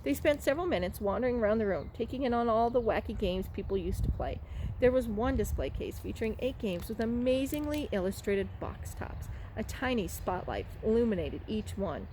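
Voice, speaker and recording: This library read-aloud narrator has a mellow, slightly high voice, reads fairly quickly, and keeps her intonation lively as she works through a children's storybook. She sometimes stumbles and rereads a word. The recording comes from a room with clear background noise.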